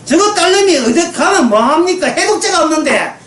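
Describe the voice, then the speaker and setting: High, lively woman preaching in an echoey hall. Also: brisk, slight background noise. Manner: emphatic, rhetorical questions, prods listeners with "예?". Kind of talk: sermon lecture. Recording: echoey room from a distance, faint ambience.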